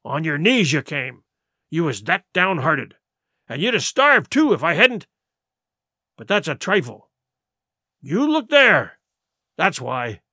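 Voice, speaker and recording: A man reading an audiobook, voicing a cunning, forceful old pirate cook with rough sailor's speech. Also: fairly high pitch, sing-song, slow, long pauses, no room sound, studio quality, full character voice. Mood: menacing.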